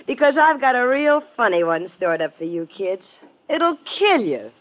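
A woman's voice: fairly high pitch, very animated, normal speed, very noisy. An American woman playing a cold, mocking gangster killer in a 1950s radio drama, with a taunting, slangy manner. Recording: dull vintage radio recording.

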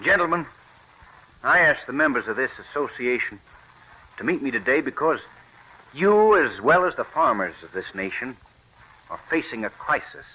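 A man's voice: medium pitch, very animated, normal speed, pauses often, slightly rough. An actor playing an earnest, persuasive wheat farmer pleading his case in an old radio drama. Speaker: plant explorer pitching new wheat. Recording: dull lo-fi old radio recording.

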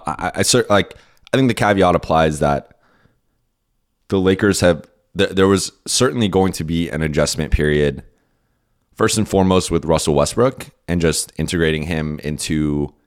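Hoarse, tired man with a very deep voice. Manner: rambling, many restarts and fillers. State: hoarse, lost his voice and tired. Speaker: podcast host and basketball beat writer. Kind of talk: casual solo podcast answering listener questions.

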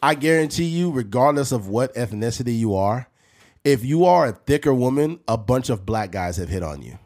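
A man's voice: mid-range voice, big pitch swings, normal speed, a little mellow. A man from California hosting a podcast, joking in casual chat and laughing often. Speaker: podcast host.

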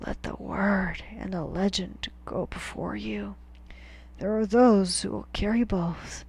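A woman voicing a dying, gruff old male weapons teacher, speaking in a slow, halting whisper. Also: mid-range voice, steady tone, a little mellow, full character voice.

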